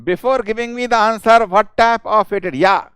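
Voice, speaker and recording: A man's voice: high voice, moderate pace, a bit bright, clear, resonant tone, no room sound, clean studio sound. A man with a South Indian accent teaching a live online class, informal and coaxing, often repeating his questions and phrases insistently. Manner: chuckling, informal, coaxing students. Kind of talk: live interactive exam-prep lecture.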